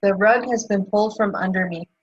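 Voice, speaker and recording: A woman in a tapping session who repeats affirmations and then describes her feelings in a soft, hesitant way. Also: mid-range voice, fairly even intonation, brisk, husky, dull audio.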